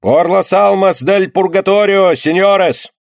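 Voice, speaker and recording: A man voicing a solemn Capuchin friar who chants slow appeals for alms. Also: on the high side, fairly even intonation, darkish tone, dry recording, studio quality, voice pushed up.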